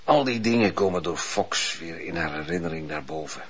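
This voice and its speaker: A man's voice: low-pitched, normal speed, fairly bright tone, breathy edge. An actor playing a troubled judge who speaks earnestly and defends his honour in a radio play. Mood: confiding. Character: troubled male judge, proud man of honour. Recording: dull old radio recording.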